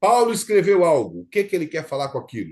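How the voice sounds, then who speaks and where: A man talks with lively intonation. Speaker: bible teacher. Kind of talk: lecture. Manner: halting.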